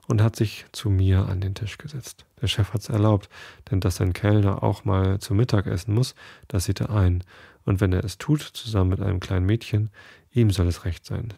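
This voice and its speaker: Deep, gravelly male bedtime-story reader. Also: no echo. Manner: calm reading, restarts sentences after slips. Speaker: podcast host.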